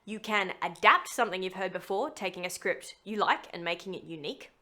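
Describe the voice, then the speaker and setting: A woman presents a scripted tutorial in a medium-pitched voice. She is chatty and leans on her key words, with a self-deprecating streak of humour. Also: expressive, fairly quick, pushed and bright. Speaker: voice actor teaching how to make a demo reel. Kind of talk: scripted tutorial narration to camera.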